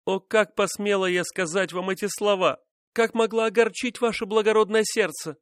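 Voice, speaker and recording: A man's voice: high-pitched, steady tone, normal speed, no echo, clean studio sound, pitched above the performer's own voice, close to an everyday voice. A man voicing a proud young royal mistress who pleads in tearful exclamations. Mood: pleading.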